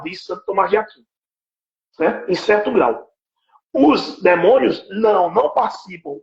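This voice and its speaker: A man in his forties delivers a patient teaching talk in a high voice. He keeps checking that his listener follows. The recording is a roomy, echoing live stream with a dull, lo-fi sound. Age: 40s. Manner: explanatory, keeps checking with "right?". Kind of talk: teaching talk on spiritual warfare.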